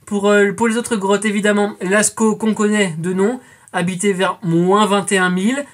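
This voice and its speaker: A young woman hosts a scripted culture quiz with a slightly husky, breathy voice. She talks to her audience like friends and drops playful, joking asides between the questions. Her pitch sits in a middle register. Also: steady tone, moderate pace. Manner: chatty, addresses viewers as friends with playful asides. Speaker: quiz show host.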